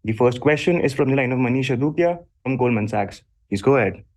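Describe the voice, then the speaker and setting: A man's voice: medium pitch, expressive, fast talker, a little mellow. A man moderating a conference call, formally reading a scripted announcement.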